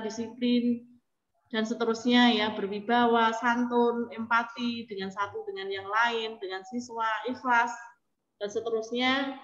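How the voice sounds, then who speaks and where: A woman with a fairly high voice gives an informal lecture to teachers on a video call. She talks in a chatty way, keeps turning to her audience and acts out the voices of students. The sound is roomy and echoey, with a dull, lo-fi tone. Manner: chatty, addresses listeners often, acts out quoted students. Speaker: speaker at an online teacher training session.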